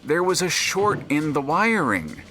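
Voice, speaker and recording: A man's voice: a little high, sing-song, pushed and bright, faint music behind, exaggerated voice. Audio drama narrator: grave and dramatic, takes his time, widely varied intonation. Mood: uneasy, insistent. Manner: measured, dramatic. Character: grave male narrator of a troubled tale.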